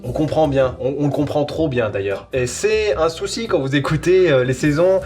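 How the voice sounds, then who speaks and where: A man's voice: a little high, normal speed, a little mellow, faint music behind. A man presenting a casual review of an audio series, rambling and repeating words for emphasis. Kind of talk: casual chronicle, semi-improvised.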